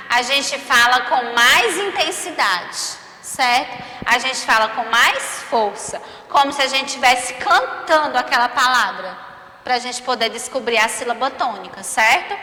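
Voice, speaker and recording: A woman's voice: fairly high pitch, takes it slowly, pushed and bright. A Brazilian woman teaching young children in a remote lesson, stretching out syllables and checking in with frequent tag questions. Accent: Brazilian Portuguese. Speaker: primary school teacher. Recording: roomy echo, long reverb.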